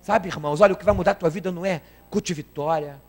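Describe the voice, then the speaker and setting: Emphatic high-voiced preacher. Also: male voice, very fast. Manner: emphatic, calls out to the congregation. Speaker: guest preacher. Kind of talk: sermon.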